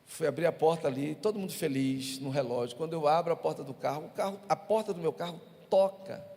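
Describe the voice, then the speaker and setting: Preaching in a reverberant church hall, a Brazilian Portuguese-accented male pastor entertains the congregation with humorous stories. He talks a little fast in a warm, slightly high voice with vocal fry.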